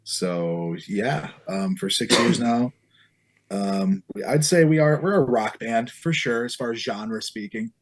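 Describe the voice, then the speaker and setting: A man's voice: mid-range voice, animated, measured pace, a little hiss or hum. A man guesting on a podcast as a musician, chatting in an easygoing, laid-back way. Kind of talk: casual interview chat.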